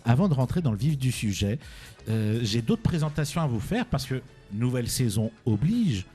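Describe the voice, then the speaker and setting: A male radio presenter talks casually in a mellow voice. He teases, wanders and corrects himself as he goes, with light music underneath. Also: medium pitch, sing-song, moderate pace. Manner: rambling, self-correcting, teasing. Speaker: radio host.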